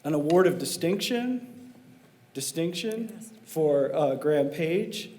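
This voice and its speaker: A man's voice: a little high, expressive, takes it slowly, a little mellow. A man, the superintendent, reading out board awards at a meeting, with frequent fillers between names. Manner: reads names with many um and uh fillers. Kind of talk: formal award presentation.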